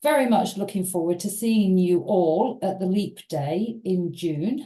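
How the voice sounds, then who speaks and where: Putting on a character voice at a medium pitch, a woman sounds strained as she talks at a fairly slow pace. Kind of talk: forced, tight. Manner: through gritted teeth, strained politeness.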